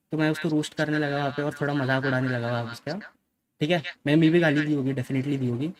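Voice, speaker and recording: A young man casually tells his viewers a story, speaking emphatically, mixing in English phrases, and repeatedly using "okay" as a filler. His voice is on the high side.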